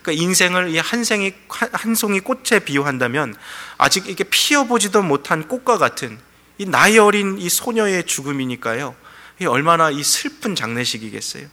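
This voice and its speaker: Bright-voiced male pastor preaching in a hall. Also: a little high, lively intonation, brisk. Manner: storytelling preaching with frequent fillers and shifting emphasis. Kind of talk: sermon. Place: church sanctuary. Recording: church hall reverb.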